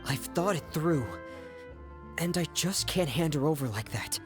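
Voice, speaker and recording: A soft-spoken, guarded young man. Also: on the high side, animated, measured pace, music in the background. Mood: earnest. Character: quiet, reserved young man, guarded and earnest.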